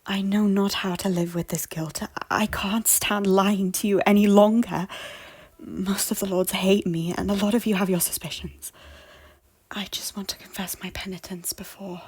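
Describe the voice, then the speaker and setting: A woman playing a guilt-ridden noblewoman in an audio drama, pleading earnestly in formal, theatrical phrases with a breathy, husky voice. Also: medium pitch, steady tone, normal speed, darkish tone, dry recording, lightly acted. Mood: remorseful confession. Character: guilt-ridden, repentant noblewoman and former schemer, earnestly hopeful. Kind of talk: audio drama acting of a Shakespeare-style story.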